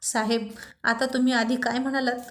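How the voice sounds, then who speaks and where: A woman's voice: on the high side, level tone, moderate pace, natural voice. A woman voicing a playful, insistent young woman who teases and coaxes in a storybook. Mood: teasing. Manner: teasing, coaxing.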